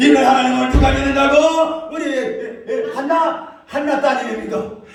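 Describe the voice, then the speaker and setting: Shouting loudly at an extremely high pitch and a fairly slow pace, a man sounds animated, his intonation lively, with audible room echo and noticeable background noise. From Korea, Chungcheong province. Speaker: pastor. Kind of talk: sermon. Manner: loud, shouting.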